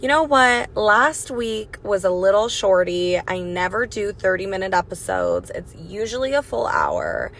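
Raspy young woman chatting into a phone. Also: mid-range voice, very animated, measured pace, hardly any pauses, a bit bright, slight background noise. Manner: chatty, swears freely. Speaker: podcast host. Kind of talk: casual solo rant. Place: in a car. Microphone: phone microphone.

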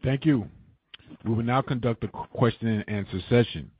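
A man's voice: medium pitch, moderate pace, breathy edge, no room sound. A man working as a conference call operator, reading a scripted procedural announcement. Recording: dry, narrow telephone line.

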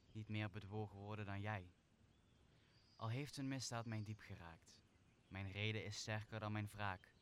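A student actor playing a solemn, wronged sorcerer who turns to forgiveness in a Shakespearean radio play, with deliberate, declamatory delivery. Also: male voice, lowish voice, fairly bright tone, slight background noise. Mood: solemn, resolved.

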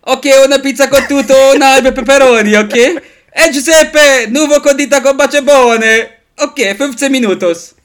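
A man putting on a mock Italian accent to play a loud, jovial pizzeria owner who mixes broken Italian into his speech. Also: extremely high pitch, normal speed, pitched above the performer's own voice. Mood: boisterous.

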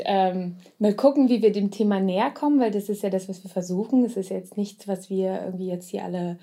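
A woman's voice: mid-range voice, warm tone. A woman hosting a podcast in a casual, unscripted chat. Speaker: podcast host.

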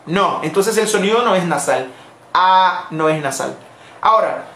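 A woman's voice: lowish voice, expressive, moderate pace, a bit bright, echoey room. A woman teaching Portuguese pronunciation in a live online lesson, explaining patiently and repeating the model words. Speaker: Portuguese teacher for Spanish speakers.

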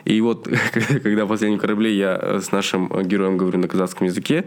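Casting: young Kazakh-accented man, very low voice, lively podcast chatter. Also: fast talker. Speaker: podcast host. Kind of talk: casual chat.

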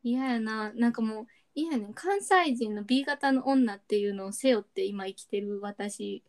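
A woman's voice: on the high side, normal speed. A young woman with a Kansai accent, chatting casually and asking questions on a podcast. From Osaka, Japan. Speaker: podcast co-host. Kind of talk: casual chat.

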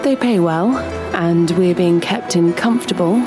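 An actress playing a wistful, neglected woman who narrates her fading romance in a measured, intimate, literary way. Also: lowish voice, natural voice. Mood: wistful, reflective. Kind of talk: literary audio drama monologue and dialogue. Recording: music under the voice. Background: music.

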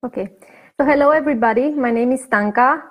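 A woman's voice: high-pitched, quick pace, dull audio. Hesitant woman. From Romania. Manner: hesitant, many fillers and restarts. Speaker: guest, patient advocate. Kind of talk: interview answer.

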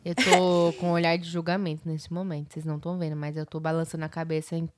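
A woman's voice: low voice, flat delivery, quick pace, very noisy. A woman co-hosting a casual podcast chat, teasing and joking with friends, with some swearing.

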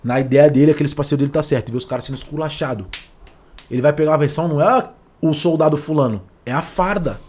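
A young Brazilian man speaks very quickly in a slightly high voice. His Portuguese has a São Paulo accent and is packed with street slang, in the loose style of a casual interview. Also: a little mellow. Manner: slangy, street-style talk full of colloquial tags. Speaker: podcast guest, former police officer. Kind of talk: casual interview chat, telling personal stories.

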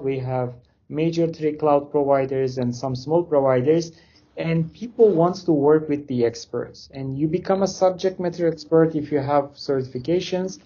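Man, dark husky voice. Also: a little high, dull audio. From Turkey. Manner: loose non-native phrasing, many fillers. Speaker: interview guest, company founder. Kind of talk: casual interview answers.

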